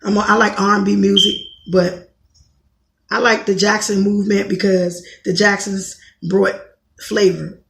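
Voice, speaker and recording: A woman in her thirties from Washington, D.C., with a raspy voice, talking bluntly in a rambling podcast monologue and often correcting herself. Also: mid-range voice, level tone, a little slow, reverberant, a little hiss or hum. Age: 30s. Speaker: podcast host. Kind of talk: casual monologue commentary.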